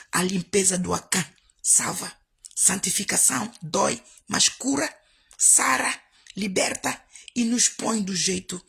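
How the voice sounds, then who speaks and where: A woman's voice: fairly low pitch, creaky, a bit bright, breathy edge. A woman pastor preaching, telling a story and repeating her points with emphasis. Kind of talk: storytelling sermon.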